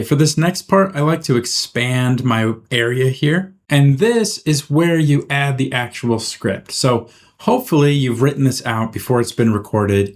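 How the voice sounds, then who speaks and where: A man narrating a software tutorial in an informal, step-by-step way, as the host. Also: medium pitch. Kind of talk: casual screen-recorded software tutorial narration.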